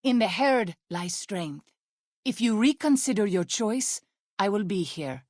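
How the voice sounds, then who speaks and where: A woman's voice: medium pitch, expressive, a little mellow, dry recording. Serious tribal lady game character, earnest careful formal talk, mid voice, very dry studio sound. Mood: calm, courteous. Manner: formal, measured, earnest speech with few contractions. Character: solemn, devout tribal woman, grieving wife and scout. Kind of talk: video game character dialogue.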